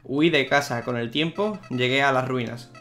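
A creepy talking flower with no feelings left, once a little boy, as a gamer reads him out, medium-pitched and plain, told like a story, faint game music behind. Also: normal speed, a bit bright, lightly acted. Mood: somber.

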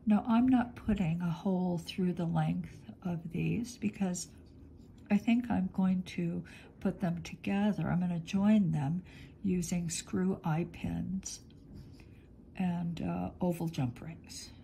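A middle-aged woman teaching clay work in her home studio, talking slowly as she thinks aloud, a little sniffly. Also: on the low side, steady tone, creaky, mellow, a little hiss or hum. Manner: slow, thinking aloud while working with her hands. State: sniffly, congested. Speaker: polymer clay artist teaching. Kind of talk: relaxed studio demonstration. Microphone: overhead camera on hands, speaker off screen.

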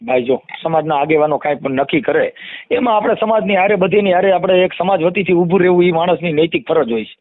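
A man with a Kathiawadi Gujarati accent argues his points insistently in an animated phone discussion, explaining and repeating phrases for emphasis. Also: sits high, fast, no room sound. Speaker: community activist. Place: phone call. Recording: muffled lo-fi phone call recording.

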